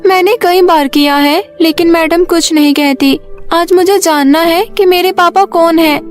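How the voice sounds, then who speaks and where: A woman voicing a stubborn but affectionate young schoolgirl, pleading and childlike, in an animated story. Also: very high voice, a little slow, faint music behind, voice pushed up. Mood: pleading, insistent.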